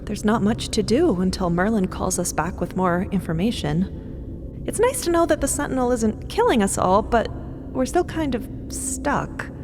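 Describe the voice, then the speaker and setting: A woman playing an earnest, self-conscious adventurer in an audio drama, talking in a casual, halting, awkward way. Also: mid-range voice, animated, close to an everyday voice. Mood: subdued, worried. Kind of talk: scripted audio drama acting. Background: music.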